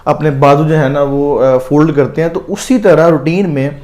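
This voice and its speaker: A man's voice: a little high, fairly even intonation, normal speed, darkish tone. Pakistani man giving advice, hesitant. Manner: explanatory, frequent hesitant fillers. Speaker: visa counsellor. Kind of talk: advisory conversation.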